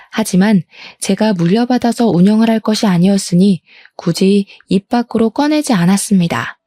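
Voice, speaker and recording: Young woman narrator, mellow tone, chatty confiding first-person storytelling. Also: mid-range voice, dry recording.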